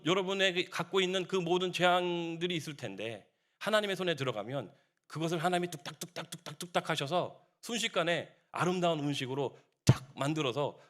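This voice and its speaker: Korean pastor guy preaching at dawn service, bright kinda high voice, gets fired up. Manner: exhorting congregation, rising emphatic delivery. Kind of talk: sermon. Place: church sanctuary.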